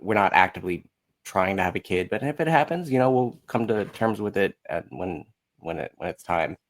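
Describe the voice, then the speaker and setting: Lowish-voiced man in rambling casual chat. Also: lively intonation, brisk. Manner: rambling, often quotes himself and others in dialogue. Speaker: podcast guest, musical writer.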